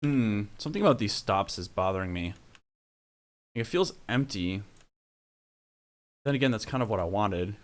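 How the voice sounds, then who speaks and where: A young man with a lowish voice talks to himself while working on a track, casual and musing, trailing off as he thinks. He speaks into a mic in a small home studio, with faint music playing underneath. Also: animated, moderate pace, long pauses. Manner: musing, trails off mid-sentence, thinking aloud. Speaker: music producer streaming. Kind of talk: casual livestream commentary while producing.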